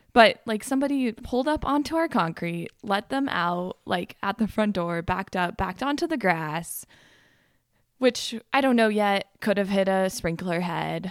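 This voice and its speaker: Moderate pace and medium pitch in a woman's unremarkable speaking voice. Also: lively intonation. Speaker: podcast co-host. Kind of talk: casual chat.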